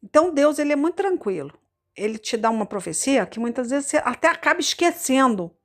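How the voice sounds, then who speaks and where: A missionary preacher from Rio de Janeiro, Brazil, speaks with a Carioca Brazilian Portuguese accent in a high-pitched, sing-song, brisk voice. Her informal sermon mixes in personal testimony and stays chatty and conversational, full of repeated words, fillers, and asides to the congregation.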